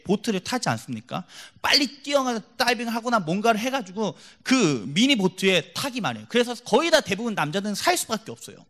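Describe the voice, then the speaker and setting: A man preaching a sermon in church, telling stories with lively, acted-out voices and dropping from loud to hushed. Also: high voice. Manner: animated storytelling, acts out quoted voices, swings from loud to hushed.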